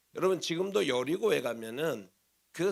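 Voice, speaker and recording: Speaking at a fairly quick pace, a man's voice swings very widely in pitch. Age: 60s. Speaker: pastor. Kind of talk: sermon. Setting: church. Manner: conversational.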